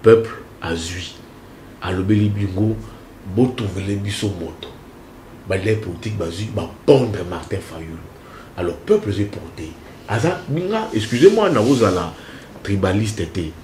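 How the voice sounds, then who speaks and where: A Congolese man with a fairly low voice speaks French with a Congolese accent. His pitch rises and falls dramatically as he hammers home a point and repeats phrases. The room is echoey, with a faint hiss behind him. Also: expressive, moderate pace, mellow. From Central Kongo, DR Congo. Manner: emphatic, repeats phrases, mixes French and Lingala. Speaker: political analyst guest. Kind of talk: animated interview answers.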